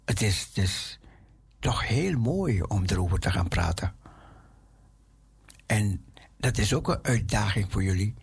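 A man preaching a sermon in a halting way, often repeating his phrases. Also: on the low side, creaky, slightly rough.

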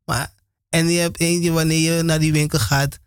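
A man's voice: on the high side, level tone, normal speed, clear, resonant tone, no room sound, clean studio sound. Stammering man on Christian radio. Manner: stammering, repeating words.

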